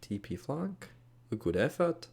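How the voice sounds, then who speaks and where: A man's voice: medium pitch, sing-song, a little slow, gravelly, darkish tone, a little hiss or hum. Man, Welsh accent with a Scottish edge, mid-range voice; exasperated, jokey esports caster reviewing a match. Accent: Welsh, with a hint of Scottish. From Wales. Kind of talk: casual game review commentary.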